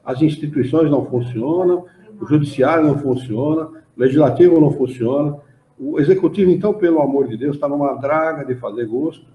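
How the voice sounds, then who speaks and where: Brisk and on the high side, a man with a Brazilian Portuguese accent heads an informal study group in an association's hall. He chats animatedly and reads passages to the group. The recording is dull and echoey.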